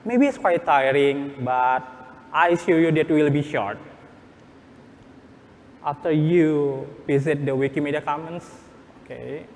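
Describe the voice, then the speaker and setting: Male workshop instructor, fairly high voice, non-native phrasing, step-by-step and halting, with some room noise behind. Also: darkish tone. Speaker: workshop presenter. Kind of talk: live hands-on tutorial, step-by-step instructions. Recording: echoey hall, background room noise.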